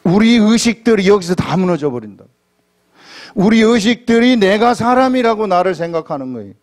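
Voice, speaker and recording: A man preaching a sermon from a church pulpit, his voice sitting fairly high for a man. He keeps putting questions to the congregation and slips into pleading prayer voices to act out his points. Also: sing-song, normal speed. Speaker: pastor.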